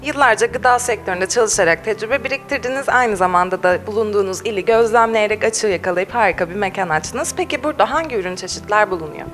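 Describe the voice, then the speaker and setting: A young adult woman working as a TV reporter speaks fast, polished, scripted questions into a handheld mic inside a small cafe, with faint music in the background. Her voice is medium-pitched and a bit bright.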